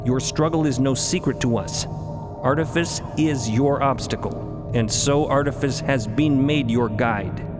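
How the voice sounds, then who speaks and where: Man playing a solemn, measured elder mentor over music. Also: mid-range voice, close to an everyday voice. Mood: grave confession. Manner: measured, solemn, formal, reassuring. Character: stern, calm elder mentor, a mother of a religious order. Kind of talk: audio drama acting. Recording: music behind the voice.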